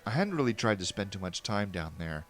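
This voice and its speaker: A man's voice: on the low side, very animated, fairly quick. A man narrating a first-person fan fiction story in a wry, earnest way.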